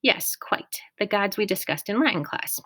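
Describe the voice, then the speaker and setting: A woman voicing a kindly, wise old male teacher who speaks gently and formally. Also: mid-range voice, animated, moderate pace, slightly rough, no echo, in a whisper, pitched above the performer's own voice. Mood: earnest.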